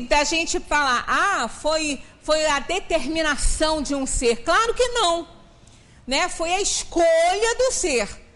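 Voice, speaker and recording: Uma mulher de meia-idade, do Brasil, dá uma palestra espírita numa sala pequena, explicando com ênfase e perguntando "né?" com frequência. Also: female voice, sits high, a bit bright. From Brazil. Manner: explanatory, emphatic, often adds "né?". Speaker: spiritist lecturer. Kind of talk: lecture at a spiritist center. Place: small meeting room, indoors.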